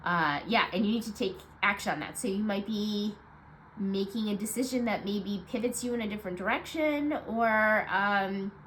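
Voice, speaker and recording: A woman with a stuffed-up, nasal voice giving a casual weekly card reading, low on energy and rambling with many fillers. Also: moderate pace, fairly bright tone, slight background noise, rough recording. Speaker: tarot card reader.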